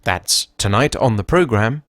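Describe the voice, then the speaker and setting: A man doing a deadpan, formal mock TV announcement. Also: lowish voice, a little slow, no room sound, studio quality.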